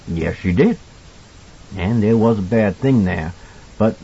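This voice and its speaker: Audiobook role: kindly older male cook, played by a man. Husky, very animated, folksy, earnest and protective. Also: fairly low pitch, lo-fi sound, full character voice. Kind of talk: audiobook character dialogue.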